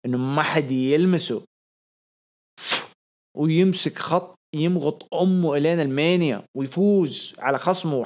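A young man talks through a podcast episode in a loose, chatty way. He gets worked up and circles back on the same words again and again for emphasis. His voice sits a little on the higher side. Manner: excitable, repeats phrases for emphasis. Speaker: podcast co-host. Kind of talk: casual podcast commentary.

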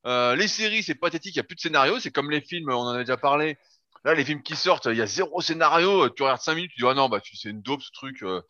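A man's voice: a little high, lively intonation, fast talker, pushed and bright, no echo. A man co-hosting a sports podcast, giving blunt, grumbling opinions in casual chat. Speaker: podcast co-host. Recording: dry, dull lo-fi sound.

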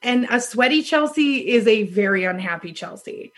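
A woman in her thirties with a loud voice, telling a dating story in casual chat, animated and laughing often. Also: fairly high pitch, measured pace. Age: 30s. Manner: animated, laughs often, acts out quoted lines.

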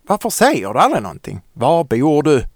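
A man's voice: a little high, wildly swooping pitch, darkish tone, slightly rough, no echo, clean studio sound, pitched above the performer's own voice, exaggerated voice. A man voicing an insistent little child who gives urgent, caring commands. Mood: upset.

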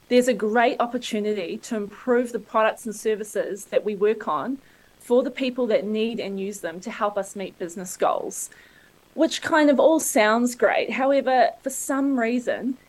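A woman's voice: on the high side, low-quality recording. A woman with a New Zealand accent giving a conference talk, joking and self-deprecating. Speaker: conference speaker.

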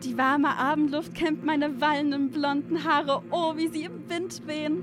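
A woman's voice: sits high, flat delivery, measured pace. A woman playing a vain, dreamy young blonde who craves luxury, swooning in a radio play monologue. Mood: swooning, elated. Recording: loud music over the voice.

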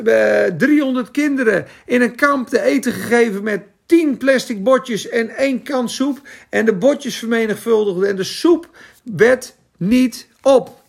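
A man preaching a sermon and answering viewers' questions, fervent at times and soft and musing at others. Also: high-pitched, gravelly. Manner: fervent, shifts between loud exclamation and soft musing. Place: church or home stream for Facebook.

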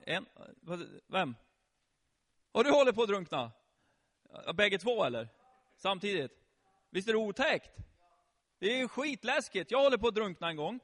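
Animated, bright-voiced man telling a Bible story. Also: sits high, pauses often. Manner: animated, asks the children questions. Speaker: children's preacher. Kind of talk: lively Bible storytelling to children.

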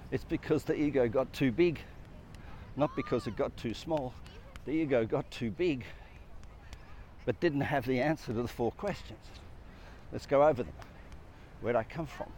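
A man's voice: medium pitch, a little slow, vocal fry, mellow, slight background noise. Earnest man, spiritual talk. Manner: earnest, repetitive, builds lists of questions. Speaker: speaker on personal growth.

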